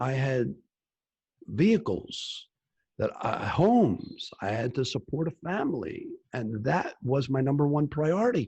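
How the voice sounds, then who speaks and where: At a very slow pace, a man talks with lively intonation. His voice is medium in pitch and somewhat breathy. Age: 60s. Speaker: practice management consultant. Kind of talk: podcast interview. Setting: recorded on video for podcast.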